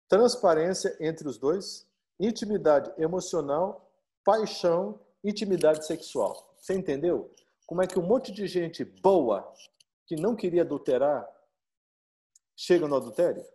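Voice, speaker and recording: A man with a Brazilian Portuguese accent, a marriage therapist giving a live-stream talk, animated and full of rhetorical questions. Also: fairly high pitch, a little slow. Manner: animated, acts out little dialogues and asks rhetorical questions.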